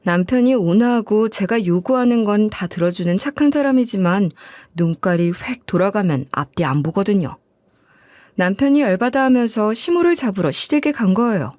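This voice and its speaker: A woman's voice: medium pitch, expressive, normal speed, darkish tone, dry recording, clean studio sound. A woman narrating her own life story from a script in a chatty, confiding way. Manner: chatty, gossiping confessional tone.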